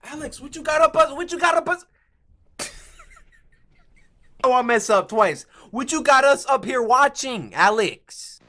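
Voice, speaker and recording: A man's voice: extremely high pitch, lively intonation, measured pace, long pauses, bright, forceful tone. A man streaming reactions to horror shorts in casual slang, scared and jumpy, exclaiming and protesting at what he watches.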